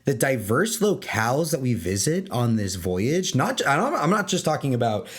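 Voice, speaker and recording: A man hosting a podcast roundtable, enthusiastic and halting, restarting his sentences often. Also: mid-range voice, big pitch swings, husky. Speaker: podcast host, lore keeper. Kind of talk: casual roundtable chat.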